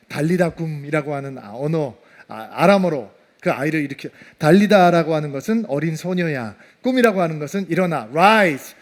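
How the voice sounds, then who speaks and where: A middle-aged male pastor preaching a sermon, swinging from loud emphasis to soft, hushed tones. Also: a little high.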